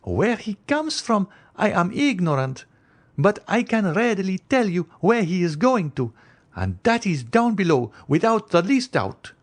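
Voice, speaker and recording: An anxious, superstitious countess played by a male narrator, pitched far above his natural voice. She is coaxing and imperious, stressing her formal phrases dramatically, as in a classic audiobook. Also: sing-song, unhurried, heavily acted. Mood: anxious, pleading. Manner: dramatic, emphatic, formal old-fashioned phrasing. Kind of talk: audiobook character acting.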